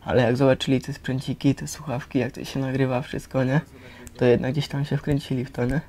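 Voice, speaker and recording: A man's voice: medium pitch, flat delivery, a little fast, mellow. A young man chatting casually in slangy, hesitant phrases that often end in tag questions.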